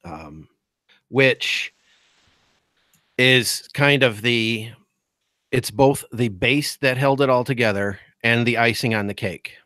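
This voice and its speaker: A man talks slowly on a podcast, pausing often and hunting for the right words. His voice sits at an ordinary middle pitch. The sound is close and dry. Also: bright, forceful tone, no echo. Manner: halting, searching for words with many fillers. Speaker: guest host. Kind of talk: casual podcast discussion.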